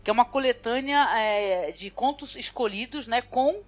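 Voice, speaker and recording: Faint music sits behind dull lo-fi audio as a Brazilian podcast host chats casually and loosely, tossing in "né" and other small fillers nonstop. She speaks at a moderate pace with a fairly high pitch.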